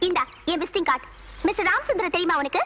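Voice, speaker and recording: An actress playing an arrogant young rich heiress who talks down to others in a film comedy scene. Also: female voice, very high-pitched, expressive, very fast, pushed and bright, a little hiss or hum, heavily acted. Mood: haughty. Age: young adult. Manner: haughty, scornful.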